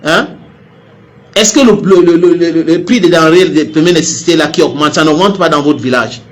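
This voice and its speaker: A man's voice: on the high side, normal speed. A man from Cameroon giving an impassioned rant straight to his audience, heated and repetitive, stammering on restarts. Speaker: online commentator.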